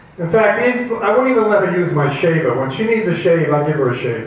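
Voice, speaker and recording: With an American accent, a man speaks at a high pitch with lively intonation. Noticeable background noise and audible room echo fill the recording. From New York City, the Bronx. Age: 70s. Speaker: stand-up comedian. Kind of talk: stand-up. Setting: comedy club stage with audience.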